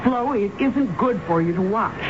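Actress doing doubtful worried lady, lively up and down voice, muffled old radio play. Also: medium pitch, unhurried, lightly acted. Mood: concerned. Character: concerned, doubting woman friend, baffled and questioning. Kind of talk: 1970s radio drama acting. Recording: dull, noisy radio recording.

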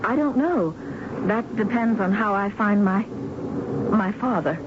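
A woman's voice: mid-range voice, expressive, measured pace, lightly acted. Woman acting a firm self-reliant young lady, old radio drama, dull muffled sound w loads of noise. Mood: composed, polite. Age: young adult. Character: determined, uneasy young woman seeking her father. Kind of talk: 1970s radio drama acting with first-person narration.

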